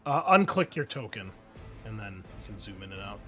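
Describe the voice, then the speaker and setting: A man's voice: lowish voice, sing-song, brisk, music in the background. A man narrating a tabletop roleplaying game as game master, casually explaining the action and checking in with players.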